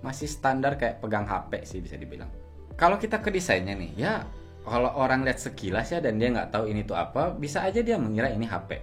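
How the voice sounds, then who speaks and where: A man's voice: medium pitch, big pitch swings, fast talker, faint music behind. A man giving a casual product review, explaining things colloquially and straight to the viewer. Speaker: host, gadget reviewer.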